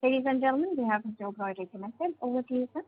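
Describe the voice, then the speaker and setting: A woman's voice: high voice, animated, racing, soft background music. A woman works as a conference call operator, making polite, formal scripted announcements in a call-centre manner. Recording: narrow-band phone conference line.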